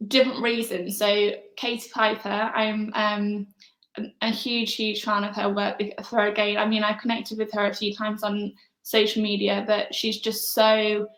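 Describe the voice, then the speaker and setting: Casual woman guest, fry in her voice, echoey room, lots of ums. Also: medium pitch. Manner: soft-spoken, many fillers and pauses. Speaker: interview guest. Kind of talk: casual interview answers.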